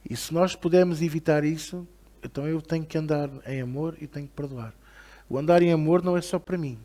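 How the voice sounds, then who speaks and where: A man preaching a Bible study in European Portuguese, his voice sitting a little high. He talks to the congregation with frequent rhetorical questions and moves into a reverent prayer. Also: brisk, mellow. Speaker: pastor.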